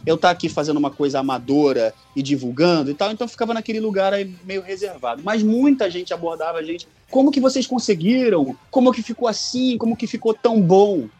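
A man with a Rio de Janeiro Brazilian accent, telling stories emphatically in a casual podcast chat, repeating phrases for effect, his voice slightly husky. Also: high voice, animated, fast, few pauses, darkish tone, faint music behind. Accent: Rio de Janeiro Brazilian Portuguese. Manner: emphatic storyteller, repeats phrases and quotes others. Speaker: podcast guest, fan dubbing director and audio mixer.

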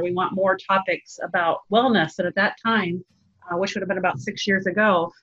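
A woman's voice: medium pitch, fairly bright tone, lo-fi sound. A woman being interviewed, explaining her organization's work in an earnest, fluent way. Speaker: nonprofit representative being interviewed. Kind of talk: interview talk explaining programs.

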